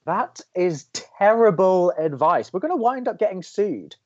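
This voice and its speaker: A man playing a cynical, grumpy young college radio co-host in an audio drama, with sardonic, deadpan, exasperated banter. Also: sits high, unhurried, dull audio, full character voice. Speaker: actor in a romantic comedy podcast.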